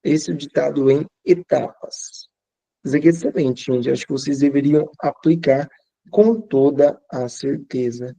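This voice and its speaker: A man's voice: fairly high pitch, moderate pace, creaky, mellow, no room sound. A male teacher with a Brazilian accent, explaining classroom methods conversationally and repeating phrases for emphasis. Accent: Brazilian Portuguese. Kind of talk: teaching tips to fellow teachers.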